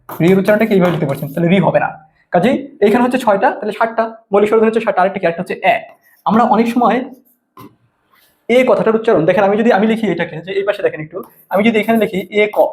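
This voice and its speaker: Rapid high-voiced man teaching grammar. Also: a little mellow. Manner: rapid, asks and answers his own questions. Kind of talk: grammar lesson lecture.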